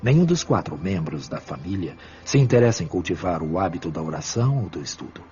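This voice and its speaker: A Brazilian actor playing a fatherly, benevolent spirit mentor in a radio drama, speaking in a measured, earnest and solemn way. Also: low voice, big pitch swings, warm tone. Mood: earnest, grave. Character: Brother Félix, benevolent superior spirit mentor, fatherly, grave. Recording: dull lo-fi sound with music. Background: background music.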